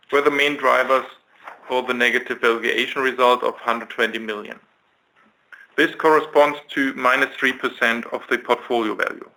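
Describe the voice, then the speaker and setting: A man giving a scripted financial results presentation as a chief executive, in a formal, measured manner. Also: mid-range voice, pushed and bright, low-quality recording. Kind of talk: scripted financial presentation on an investor conference call.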